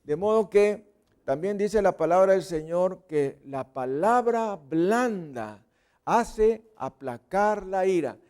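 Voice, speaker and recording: A male pastor with a Mexican accent preaches in a high, unhurried voice. He acts out little sounds and voices, swinging from loud bursts to a hush. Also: expressive, smooth. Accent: Mexican Spanish. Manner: playful, acts out sounds and voices with sudden loud and whispered bits. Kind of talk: sermon. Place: church service.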